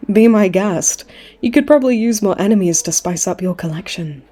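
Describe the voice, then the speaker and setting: Smug, mellow-voiced flirty villainess played by a woman. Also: medium pitch, moderate pace, slightly rough, close to an everyday voice. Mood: teasing. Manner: teasing, mock-sweet, theatrical taunting. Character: smug flirtatious female supervillain in her late twenties, hospitalized. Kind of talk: comedic audio roleplay acting.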